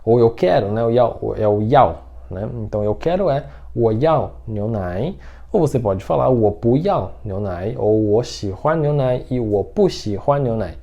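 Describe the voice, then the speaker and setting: A man's voice: lowish voice, expressive, unhurried, gravelly, dark tone, muffled recording. A man teaching an online language lesson, patiently repeating each word and often checking that the listener is following.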